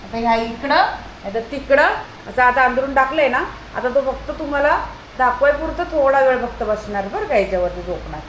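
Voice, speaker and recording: A woman's voice: high-pitched, expressive, moderate pace, a little hiss or hum, rough recording. A woman vlogging at home on a rooftop terrace, chatting to her viewers and coaxing her pets in a sing-song voice. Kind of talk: casual home vlog.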